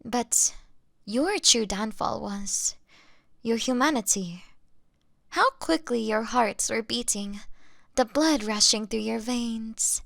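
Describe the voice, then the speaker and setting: A woman acts out a young female vampire with refined, apologetic manners in an intimate audio roleplay. Her voice sits fairly high and she takes her time over each formal, gentle phrase. The sound is dry, with no room around it. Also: vocal fry, dry recording, heavily acted. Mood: wistful, grave. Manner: formal, polite, softly deliberate. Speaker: audio drama performer.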